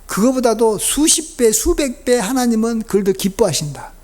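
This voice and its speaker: A middle-aged male pastor delivers a sermon in a high-pitched voice. He speaks conversationally, filling pauses with little words and asides as he explains each point to his congregation. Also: animated, darkish tone. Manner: conversational preaching with many fillers and rhetorical asides.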